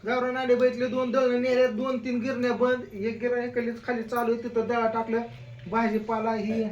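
A woman's voice: fairly high pitch, flat delivery, moderate pace, a little mellow, roomy sound, highs cut off. A woman chatting casually at home, plainly explaining what she got done and what is still missing. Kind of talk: casual family chat.

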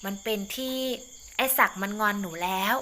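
Woman voicing a scolding, kindly old mother in a storybook reading, bright and pointed. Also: medium pitch, brisk, natural voice. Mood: coaxing. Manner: lecturing, coaxing, motherly. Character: older mother-in-law, scolding but kindly.

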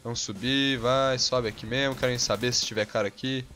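A young Brazilian man with a Brazilian accent giving hot-tempered gameplay commentary, swearing and bursting into yells. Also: medium pitch, steady tone, fairly quick, faint music behind. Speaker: gaming channel host.

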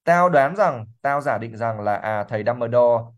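A man explaining English words during a livestream reading lesson. He repeats words slowly and thinks aloud with fillers. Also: medium pitch, expressive, muffled recording. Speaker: English teacher.

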